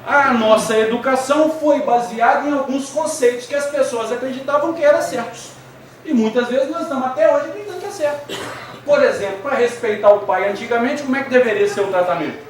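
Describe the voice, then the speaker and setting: A man's voice: very high voice, a little fast. A man with a Brazilian Portuguese accent giving a talk at a spiritist center, speaking conversationally, asking the audience questions and telling humorous anecdotes. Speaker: spiritist lecturer. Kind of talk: lecture to an audience. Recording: echoey hall, distant mic, faint noise.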